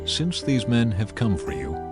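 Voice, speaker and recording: A man voicing a calm, authoritative God with a measured, commanding manner in a dramatized scripture reading. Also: fairly low pitch. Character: God, calm, authoritative male deity giving orders. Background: background music.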